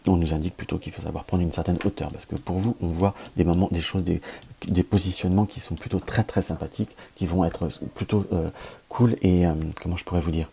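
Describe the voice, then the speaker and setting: A man's voice: low-pitched, fairly even intonation, a little fast, gravelly, mellow, slight background noise. A man with a French accent giving a daily card reading to camera, talking hesitantly with many restarts and fillers. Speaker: tarot reader.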